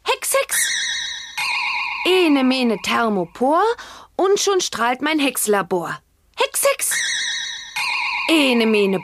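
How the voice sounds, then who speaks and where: Lively high-pitched young witch girl. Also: heavily acted. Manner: chanting rhymed spells with exclaimed endings. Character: young witch girl, cheerful, bossy spell-caster. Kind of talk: 1980s children's audio drama acting.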